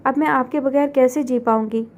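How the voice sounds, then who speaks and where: A woman's voice: high-pitched, steady tone, normal speed. A woman voicing a heartbroken young woman who speaks through tears, reproachful and pleading.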